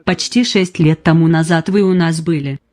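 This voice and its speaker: A man interviewing a patient, putting brisk prompting questions to her. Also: a little high, steady tone, darkish tone. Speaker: interviewer and therapist.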